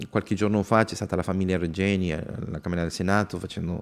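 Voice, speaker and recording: A man speaks with an Argentine accent and a very deep, low pitch. His intonation stays fairly even. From Argentina. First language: Spanish (speaking Italian). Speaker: human rights volunteer; guest. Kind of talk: radio interview. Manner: halting. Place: studio. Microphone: studio mic.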